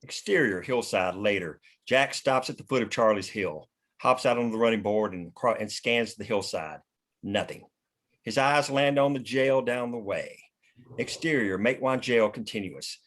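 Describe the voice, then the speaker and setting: A man's voice: fairly low pitch, normal speed, a bit bright. A man hosting a script table read, reading stage directions and chatting casually. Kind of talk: script narration and casual discussion.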